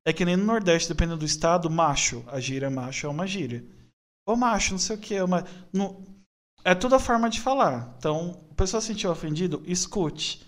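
Earnest young São man, slightly high. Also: animated, brisk. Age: 20s. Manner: earnest, opinionated, rambling with restarts. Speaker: podcast guest. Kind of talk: casual podcast conversation.

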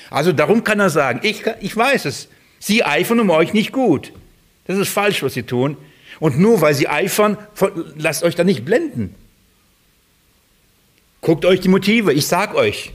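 A man giving a sermon, emphatic and repeating phrases for stress. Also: fairly high pitch. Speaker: preacher.

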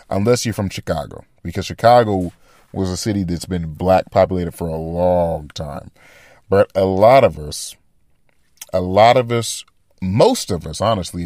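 A man's voice: low-pitched, darkish tone, dry recording, studio quality. A man hosting a casual commentary podcast, rambling and thinking aloud as he talks. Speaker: podcast host.

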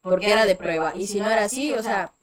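A young Mexican woman with a Mexican accent, telling personal stories in a casual chat, full of fillers and animated asides. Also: medium pitch, fast talker, a crowd in the background. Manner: chatty, animated, many fillers like "este". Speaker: guest.

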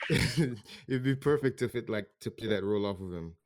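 A man's voice: fairly low pitch, moderate pace. A man talking informally in casual football banter.

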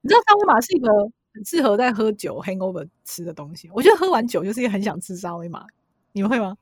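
A woman's voice: mid-range voice, very animated, rapid-fire, breathy edge, no room sound, studio quality. A woman hosting a casual chat, laughing often and steering the topics. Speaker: podcast host.

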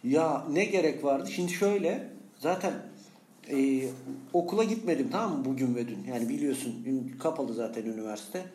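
A man's voice: medium pitch, fairly quick, darkish tone, a little hiss or hum. A man chatting casually as a podcast co-host, teasing and jokey, full of slangy exclamations. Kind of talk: casual banter with a friend. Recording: roomy, echoing room sound.

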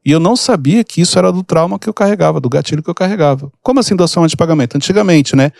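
A man's voice: fairly high pitch, lively intonation, very fast, creaky, darkish tone, dry recording, clean studio sound. A man hosting a podcast, explaining emotional triggers through casual stories and acting out the people in them. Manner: storytelling, acts out quoted people. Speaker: podcast host and mentor. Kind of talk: casual teaching chat.

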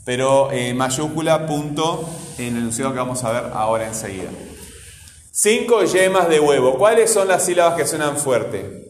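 A man's voice: mid-range voice, animated, normal speed. A male teacher giving a class lesson, quizzing his pupils and often checking in with a questioning "right?". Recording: echoey room with long reverb, faint noise.

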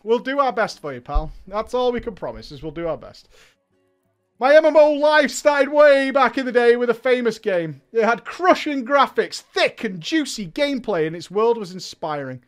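High-pitched guy streaming, loud and hyped, swears a lot, rambles off on tangents. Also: very animated, normal speed, soft background music. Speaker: streamer and show host. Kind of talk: livestream commentary reading viewer letters.

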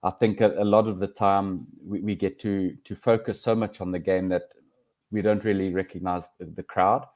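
A man with a South African accent giving measured, conversational answers as an interview guest. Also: low voice, steady tone, darkish tone. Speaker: interview guest, field hockey umpire.

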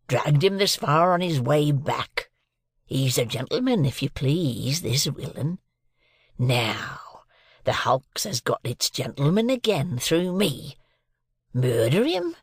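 A reader voicing a hard, disdainful male convict who talks low, muttering and half-whispered. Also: sing-song, slow pace, husky, no echo, studio quality, heavily acted. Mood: scornful.

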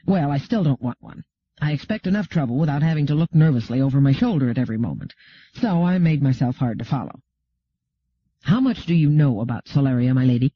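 Dry, wry bearded captain, voiced by a male narrator; lowered husky voice. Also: animated, brisk, no room sound. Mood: probing. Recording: dull lo-fi recording.

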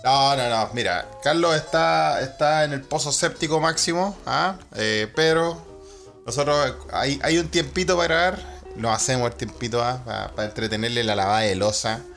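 Un hombre con acento chileno conduce un podcast con tono bromista y lleno de modismos, en una voz de tono medio. Se oye una música suave de fondo. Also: male voice, medium pitch, creaky, a bit bright, faint music behind. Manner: joking, slangy, drawn-out greetings. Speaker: podcast host. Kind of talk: casual podcast banter.

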